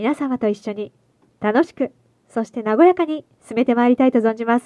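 A female-sounding, put-on character voice, high-pitched and nasal, moves at a fairly quick pace. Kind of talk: formal speech or emcee announcement.

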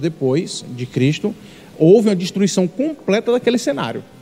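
A high-pitched male voice with very wide pitch swings at a moderate pace, music in the background. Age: 30s. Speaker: pastor. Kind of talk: bible study teaching.

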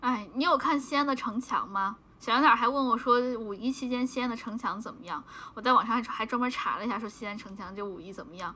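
A woman talks fairly quickly in a high, bright, sharp voice with hardly any pauses. Her tone is animated, her loudness swings widely, and her pitch varies in an ordinary way. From China, Xi'an (Shaanxi). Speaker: podcast co-host. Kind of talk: casual chat. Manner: animated, frequent laughter.

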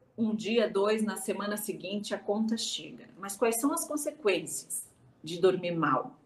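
With noticeable background noise behind her, a woman speaks at a fairly slow pace in a medium pitch with lively intonation. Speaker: YouTube show host. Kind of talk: interview.

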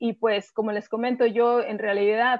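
Her pitch is fairly high. The woman takes her words at a fairly slow pace. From Mexico, Guanajuato. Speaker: nonprofit board member. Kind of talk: interview. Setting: video call. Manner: halting.

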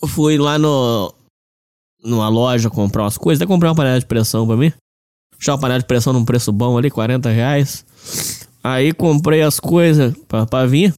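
This man talks at a moderate pace with a medium pitch, ordinary pitch variation and very even loudness. His speech has long, frequent pauses. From Minas Gerais, Brazil. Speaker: podcaster, literature student. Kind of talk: casual chat.

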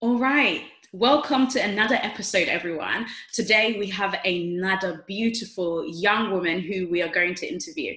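With a bright, sharp tone, a woman speaks using lively intonation. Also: medium pitch for a woman, moderate pace. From Germany. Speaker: podcast host. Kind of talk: casual interview chat.

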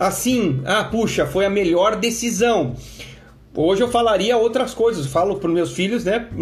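The voice has lively intonation and very even loudness, with noticeable background noise and audible room echo. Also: man, high pitch for a man, fairly slow pace. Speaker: relationship coach. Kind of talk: live stream talk. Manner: animated.

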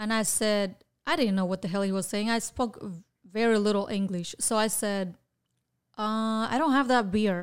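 Recorded very cleanly against a silent background, a woman with a Spanish accent talks at a moderate pace in a fairly high pitch with ordinary pitch variation. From Cuba (Havana). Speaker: podcast host, life coach. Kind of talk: personal storytelling monologue.

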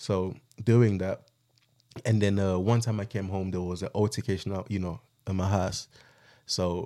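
At a moderate pace, a man with a London accent speaks in a fairly low, dark and mellow voice, monotone and flat, on a very clean recording with a silent background. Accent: London English (multicultural London). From London (moved from Congo at 10). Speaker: property investor and author. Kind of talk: casual interview.

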